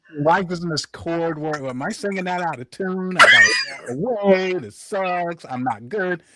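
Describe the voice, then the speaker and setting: Speaking at a moderate pace with hardly any pauses, a man with a high-pitched voice shows ordinary pitch variation and big swings in loudness over noticeable background noise. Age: 60s. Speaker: singer-songwriter. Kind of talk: interview. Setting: livestream interview.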